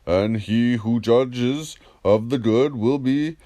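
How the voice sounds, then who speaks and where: A man's voice: mid-range voice, warm tone, lightly acted. A man voicing a wise, courteous philosopher who questions patiently and methodically in an audiobook dialogue. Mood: methodical reasoning. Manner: measured, polite, methodical questioning.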